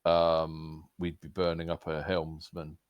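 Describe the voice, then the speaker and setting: A man chats casually as a player in a tabletop game. His voice is very deep and the sound is dry. He sounds eager and jokey. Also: monotone, slow, no echo, highs cut off.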